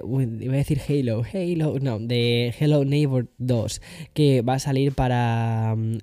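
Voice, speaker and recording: Chatty man with a dark voice. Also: mid-range voice, no echo. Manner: chatty, digressive, self-correcting with fillers. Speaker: podcast host. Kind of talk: casual tech and entertainment news chat.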